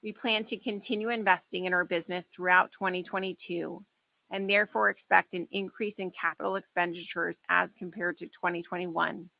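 A woman in a formal, measured manner reading a scripted earnings call presentation as a finance executive. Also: on the low side, fairly even intonation, vocal fry, no room sound. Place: conference call webcast. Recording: dull, band-limited webcast audio.

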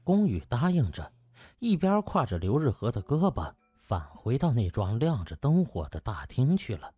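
A man's voice: mid-range voice, big pitch swings, normal speed, warm tone, slightly rough, no echo. A man narrating a novel as a dramatised audiobook.

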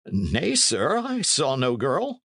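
A man's voice: on the high side, huge pitch swings, slow, creaky, fairly bright tone, no room sound, clean studio sound, voice pushed up, exaggerated voice. A man reading a storybook as a flustered medieval innkeeper, protesting in archaic speech. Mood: puzzled.

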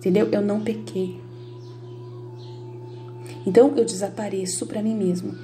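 A woman's voice: medium pitch, fairly even intonation, normal speed, mellow, soft background music. A middle-aged Brazilian woman teaching about faith in a casual, earnest way, repeating herself and often checking that her listeners follow. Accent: Brazilian Portuguese. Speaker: Catholic study group leader. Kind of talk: informal religious teaching with personal examples.

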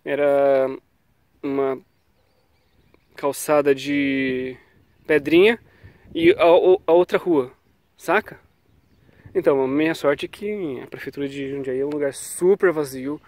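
A cycling vlogger with a cold chats loosely about bike brakes into an action camera on a quiet paved road outdoors, tagging little checks like "tá?" and "né?" onto the ends of his lines. His voice is a bit high and a touch mellow, and he speaks a little slowly with frequent pauses. The recording is dry.

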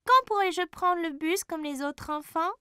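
A woman's voice: extremely high pitch, unhurried, bright, forceful tone, no room sound, studio quality, heavily acted. A woman voicing a curious, eager four-year-old boy in a children's cartoon, with a childlike, earnest manner. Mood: pleading. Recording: music behind the voice.

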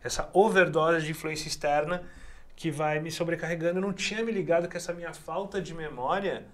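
A man's voice: on the high side, steady tone, brisk. A man hosting a podcast interview, chatty and relating things to himself. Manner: chatty, self-referential. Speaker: podcast host.

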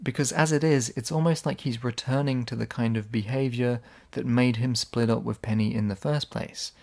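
A man's voice: medium pitch, fairly even intonation, moderate pace, creaky, darkish tone. A man giving casual, sarcastic video essay commentary. He is blunt, swears when annoyed, and his voice sounds slightly worn.

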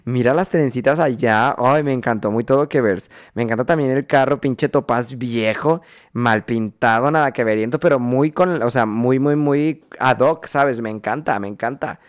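A man with a Mexican Spanish accent hosting a casual video reaction, expressive and quick to swear and joke. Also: mid-range voice, clean tone. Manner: expressive, swears freely, gushes and jokes. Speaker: host reacting to music videos.

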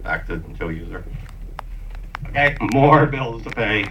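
Low-voiced older man, distant and noisy. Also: lively intonation, a little slow, highs cut off. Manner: jokey, off-the-cuff. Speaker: presenter hosting a staged demonstration. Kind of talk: informal live explanatory narration. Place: conference meeting room with an audience. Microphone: handheld mic, picked up by far camera. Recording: distant, noisy room camera pickup.

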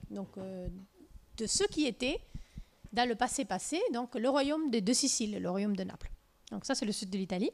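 A woman in her thirties with a clear Italian accent, giving a university-style lecture. She tells the story in a lively way, full of fillers and self-corrections, and her voice sits a little high. She speaks into a handheld microphone in a lecture room. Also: moderate pace. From southern Italy. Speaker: physics lecturer. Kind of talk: lecture with slides. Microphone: handheld mic.

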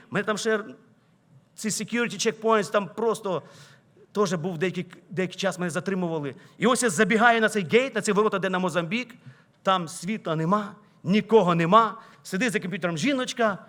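A man with a Ukrainian accent preaching a sermon, telling a personal story and building to loud exclamations. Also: sits high. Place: church sanctuary.

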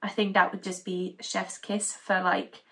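A young woman from Denmark talks casually to the camera in her living room. She is chatty and upbeat, rambling with plenty of "um"s. Her voice sits at an ordinary middle pitch for a woman. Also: little pitch movement, unhurried, fairly bright tone. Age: young adult. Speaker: knitting podcaster. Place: living room at home, indoors.

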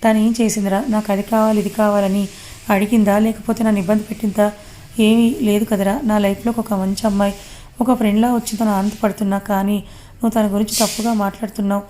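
A woman's voice: medium pitch, little pitch movement, fast talker, warm tone, a little hiss or hum, natural voice. A woman voicing a lovesick young man who insists and defends the girl he cares for.

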